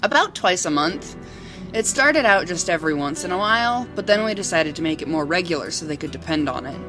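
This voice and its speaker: Woman playing kindly woodland local, audio drama, lower female pitch, gentle earnest storytelling, music behind. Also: lively intonation, brisk, lightly acted, low-quality recording. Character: kindly local woman devoted to feeding forest Sasquatches. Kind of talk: amateur audio drama acting.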